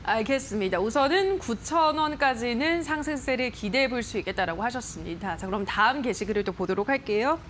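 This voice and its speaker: Brisk and expressive with few pauses, a woman's slightly high voice leads a TV stock program from the studio, with a little hiss or hum audible. She's a bright, chatty host who questions an expert and reads viewer posts aloud in playful voices, broadcast-style.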